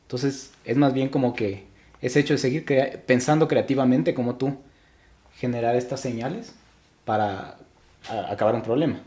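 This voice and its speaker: Mellow-voiced young man from Ecuador. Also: medium pitch, moderate pace. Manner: reflective, with frequent restarts and hesitations. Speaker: podcast guest. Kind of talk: casual interview chat.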